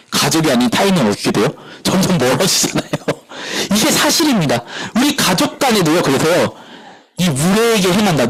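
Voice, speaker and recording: A man preaching a sermon as pastor at a church service, animated, asking the congregation questions and answering them himself. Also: fairly high pitch, slightly rough, poor audio.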